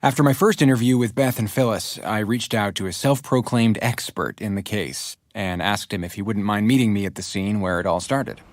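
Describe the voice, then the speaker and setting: An actor playing an earnest investigative journalist, speaking in a measured, conversational true-crime podcast style. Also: male voice, fairly low pitch, no echo, natural voice. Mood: matter-of-fact. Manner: measured, reflective, sober.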